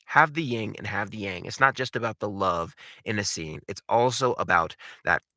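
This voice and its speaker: A man gives an instructional talk as a coach, in a fairly low, bright voice with a close, dry sound. He is emphatic and punctuates his points with rhetorical questions. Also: moderate pace, no echo. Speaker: voice acting coach. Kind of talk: instructional talk with acted examples.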